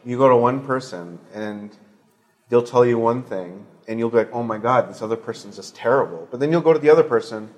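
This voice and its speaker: A man's voice: mid-range voice, brisk, a little mellow. A man from California's Bay Area, talking openly and at length in an interview. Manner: talkative and open. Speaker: guest. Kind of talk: conversational interview.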